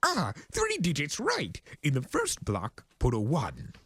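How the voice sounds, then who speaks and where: Theatrical, wildly swooping ancient chaos lord. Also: male voice, fairly high pitch, wildly swooping pitch, a bit bright, husky, dry recording, voice pushed up, full character voice. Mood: smug. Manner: theatrical, grandiose, indignant, drawn-out emphasis. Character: ancient, pompous, exasperated male chimera lord of chaos. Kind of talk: dramatic cartoon fan fiction reading.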